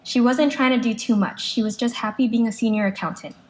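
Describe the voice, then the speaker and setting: A woman's voice: on the high side, fairly even intonation, fairly quick, poor audio. A woman reads out a prepared eulogy, speaking as a daughter. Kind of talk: prepared memorial speech read aloud. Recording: live speech with clear background noise.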